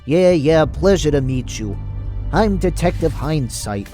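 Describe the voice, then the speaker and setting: A man's voice: fairly high pitch, expressive, unhurried, dark tone, soft background music. A man playing a glib, easily rattled private detective in an audio drama. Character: glib male private detective, nervous under threat.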